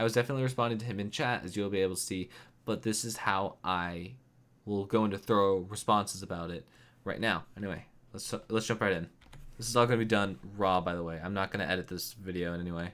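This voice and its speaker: A soft-spoken man with a fairly low voice, talking very fast, with ordinary pitch variation. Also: very clean recording, silent background. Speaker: music composer. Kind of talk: casual commentary. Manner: quiet, soft-spoken; hesitant, many fillers.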